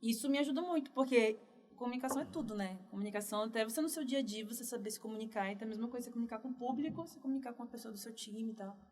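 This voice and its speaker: Woman, from Northeast Brazil, fairly high voice, relaxed chatty storytelling, podcast guest. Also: very fast. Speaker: guest developer. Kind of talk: casual podcast interview.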